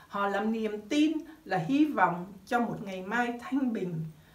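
Amid audible room echo, a woman with a fairly high pitch speaks at a very slow pace. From northern Vietnam, raised in Saigon. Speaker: former medical student, interviewee. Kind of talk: personal testimony. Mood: calm, nostalgic, earnest. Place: studio.

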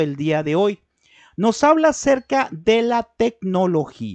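Against a quiet background, a man's voice swings very widely in pitch, with a dry sound and no echo. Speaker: catechist and computer science teacher; computer science teacher. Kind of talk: online course lecture. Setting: live online stream. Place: home room. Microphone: studio mic.

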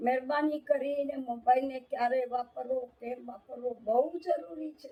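A high-pitched woman's voice with a dark, mellow tone. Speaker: home remedy video maker. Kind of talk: advice monologue to viewers.

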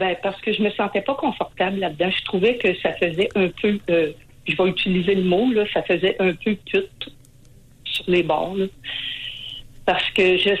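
Against noticeable background noise, a woman talks at a fairly slow pace in a medium pitch. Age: 60s. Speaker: caller. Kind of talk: testimony. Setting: phone call.

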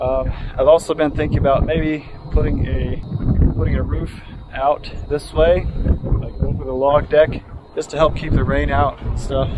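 The pace is moderate and the sound is dry with no echo. Loud noise fills the background. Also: man. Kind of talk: casual vlog chat. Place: open country. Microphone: phone near.

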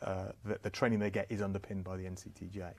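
Fairly low in pitch, a man speaks in an unremarkable speaking voice. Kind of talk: interview answer. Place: studio. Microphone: lapel.

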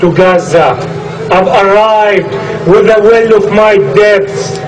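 A man with an Arabic accent and a high pitch speaks very slowly with fairly even intonation, amid audible room echo and noticeable background noise. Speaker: poet. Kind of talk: poetry reading. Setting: outdoor demonstration.

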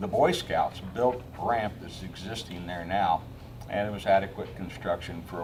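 A man speaks at a moderate pace in a very deep, low pitch. Noticeable background noise runs under his voice. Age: 70s. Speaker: senior center representative. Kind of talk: public meeting presentation.

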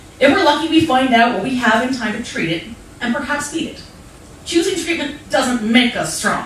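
Against light background noise and audible room echo, a woman talks at a moderate pace in a high pitch, her intonation lively and her loudness shifting sharply. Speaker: open mic performer and cancer survivor. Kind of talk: reading aloud a personal essay at an open mic, with dark-humored stand-up touches. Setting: stage with audience. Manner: earnest and heartfelt toward the close. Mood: earnest, wry, a bit indignant. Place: stage.

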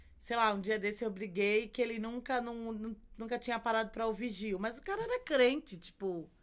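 In an ordinary speaking voice, a woman with fairly high pitch talks at a moderate pace with fairly even intonation and hardly any pauses. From Pernambuco, Brazil (Recife/Olinda); Pernambuco, Brazil. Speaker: content creator and columnist; content creator. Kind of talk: casual interview. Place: studio. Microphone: studio mic.

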